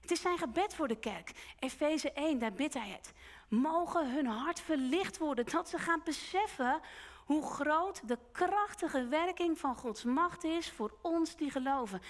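A woman delivers a sermon in a high voice, carrying her congregation through a story at an earnest, unhurried pace. Her words linger in the long reverb of a church hall. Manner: slow, earnest retelling with quoted voices. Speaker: preacher.

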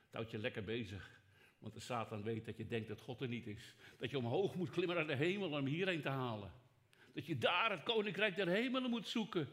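A man preaching a sermon as pastor, emphatic and rhetorical, swinging from raised to hushed delivery and speaking straight to his listeners. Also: mid-range voice, lively intonation, a little fast. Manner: rhetorical, addresses listeners directly.

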